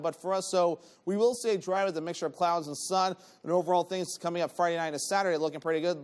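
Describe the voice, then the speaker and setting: A man delivers a TV weather forecast in a loose, ad-libbed way. His voice is notably high for a man, and he talks quickly.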